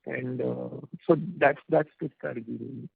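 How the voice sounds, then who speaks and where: Gravelly Indian executive on a phone line. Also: male voice, medium pitch, fairly even intonation, normal speed, no echo. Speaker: company executive. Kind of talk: answering investor questions on an earnings call. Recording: tinny, dry phone line.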